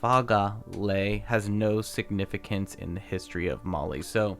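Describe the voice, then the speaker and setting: A young man with a low voice, co-hosting a casual podcast. He tells the story loosely, reading from his notes, stumbling and laughing over hard names. Faint music plays underneath. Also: normal speed, vocal fry, a bit bright. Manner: reads facts aloud with stumbles, laughs at his own pronunciations. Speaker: podcast co-host.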